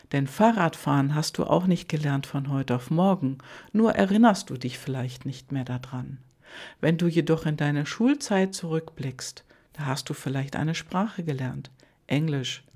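Slow, calm coaching podcast voice. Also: mid-range voice. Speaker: life coach.

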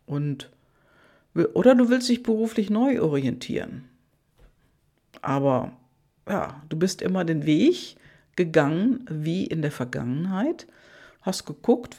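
Speaking at a medium pitch, a coach delivers a motivational monologue directly to the listener. It is full of repeated gentle phrases, frequent fillers, and self-corrections.

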